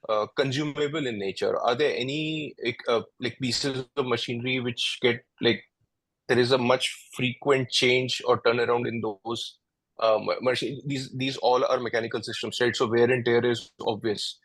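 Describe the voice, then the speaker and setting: A man, an analyst asking halting, polite questions on a conference call. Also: medium pitch, fairly even intonation, a bit bright, no room sound, rough recording. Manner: halting, polite, searching for words.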